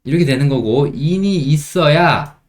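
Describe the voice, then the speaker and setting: A man teaching spoken English in Korean, explaining phrases and repeating English sentences very slowly for learners. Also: a little high. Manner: explains in Korean with lively, rising delivery.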